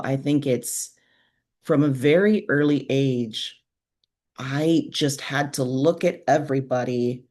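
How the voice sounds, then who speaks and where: A woman's voice: rumbling low, a little mellow. A woman being interviewed as an author, explaining her thoughts in a casual, reflective way and building points in lists.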